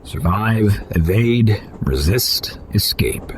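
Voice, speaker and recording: An actor playing a proud alien fish-folk mercenary in an audio drama, speaking in a terse, guarded way. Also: male voice, on the low side, expressive, takes it slowly, a little hiss or hum. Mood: stern.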